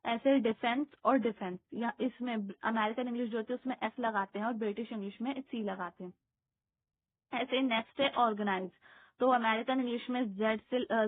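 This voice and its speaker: Slow-reading Indian woman teacher, tinny sound. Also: fairly high pitch. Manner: reads English lines slowly, explains in Hindi with many hesitations. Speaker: teacher explaining exam notes. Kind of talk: study lesson, reading English text and explaining in Hindi. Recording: tinny phone-quality audio.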